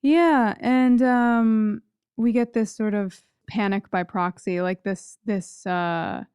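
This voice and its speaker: Woman, podcast co-host, smooth clear voice, mid pitch, casual chat, dry sound. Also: fairly even intonation, slow, a little mellow, no room sound.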